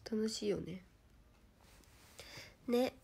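A young woman with a Kansai accent, chatting casually with viewers on a livestream, giggly and quick to act out past exclamations. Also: medium pitch, gravelly, dark tone, slightly rough. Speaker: idol streamer.

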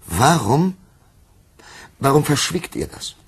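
An actor playing a stern, earnest Puritan clergyman in a German radio play, questioning in a formal, deliberate way. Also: a little high, big pitch swings, husky, exaggerated voice. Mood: shocked, urgent.

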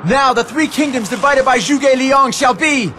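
A proud ambitious young commander. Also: male voice, extremely high pitch, moderate pace, bright, forceful tone, slight background noise. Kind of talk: video game cutscene dub.

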